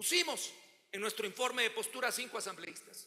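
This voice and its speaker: Raised and projected, a man's extremely high voice has a bright, sharp tone and ordinary pitch variation. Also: quiet background. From Ecuador, Tungurahua province. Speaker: legislator. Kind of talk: parliamentary speech. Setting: legislative chamber. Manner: formal. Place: hall. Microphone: podium.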